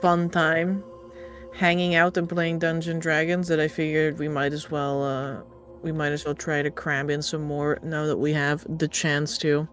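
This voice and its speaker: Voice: mid-range voice, little pitch movement, moderate pace, a bit bright, soft background music. A dungeon master chatting casually to open a tabletop game session, loose and full of fillers.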